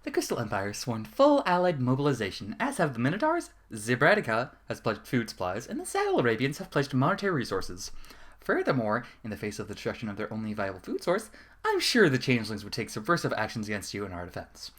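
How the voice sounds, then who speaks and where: A man's voice: mid-range voice, huge pitch swings, fast talker, fairly bright tone. A man giving a dramatic, formal reading of a fan fiction letter as narrator, with the odd stumble.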